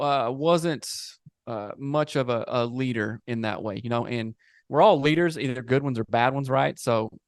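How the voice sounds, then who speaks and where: A man with an American accent, a normal speaking voice at medium pitch, ordinary pitch variation and a moderate pace. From US South, upstate South Carolina. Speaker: marriage and family therapist. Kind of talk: podcast interview. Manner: casual, many fillers and restarts.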